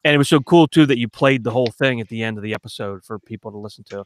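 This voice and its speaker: A man's voice: mid-range voice, racing. A man, a voice actor guest, talking enthusiastically on a podcast. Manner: enthusiastic, animated when recalling scenes. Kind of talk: casual podcast discussion.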